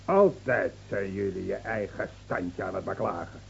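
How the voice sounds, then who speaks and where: An actor playing an earnest villager in a radio play, reproachful and standing up for the downtrodden. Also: male voice, deep voice, a little slow, creaky, slight background noise, heavily acted. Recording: muffled old radio play recording.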